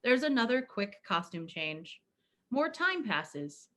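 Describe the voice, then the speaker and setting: A woman's voice: fairly high pitch, big pitch swings, slow, a bit bright. A woman reading out the stage directions of a play as scripted narration.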